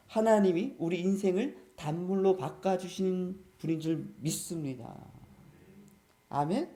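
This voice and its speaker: Man, pastor, sermon, animated rising and falling pitch, questions to the congregation, calls of amen. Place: church.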